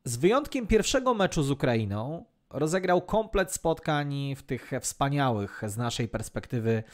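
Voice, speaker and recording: A man of average pitch hosts a sports podcast. He speaks in well-formed, prepared sentences, moving the discussion along like a presenter. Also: big pitch swings, normal speed. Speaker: podcast host.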